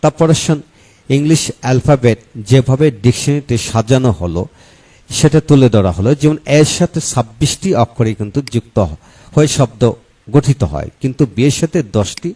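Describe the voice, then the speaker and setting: A male English teacher talks his viewers through a study book, chapter by chapter. His voice is mellow and warm, and he keeps a steady listing rhythm, calling his listeners friends. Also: mid-range voice, moderate pace. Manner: steady listing, repeated set phrases, frequent "ah" fillers.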